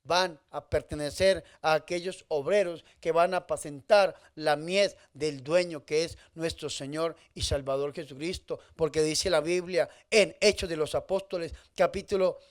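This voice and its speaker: A Catholic priest delivers a sermon, swinging between loud emphatic lines and soft, hushed ones. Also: male voice, on the high side, steady tone, moderate pace, few pauses. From Colombia.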